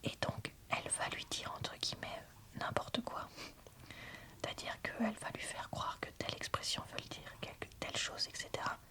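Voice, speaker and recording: A woman whispers in a breathy, unvoiced ASMR style, speaking informally and frankly as she reads and reviews books. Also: normal speed, bright, forceful tone. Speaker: book reviewer.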